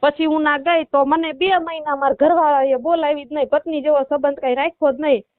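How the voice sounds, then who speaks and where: High-pitched rural Gujarati woman on the phone. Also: fairly even intonation, fairly quick, no room sound. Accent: rural Saurashtra Gujarati. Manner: colloquial, rambling storytelling with reported dialogue. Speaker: caller seeking help with a marital dispute. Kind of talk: personal account on a phone call. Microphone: telephone. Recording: muffled narrowband phone call.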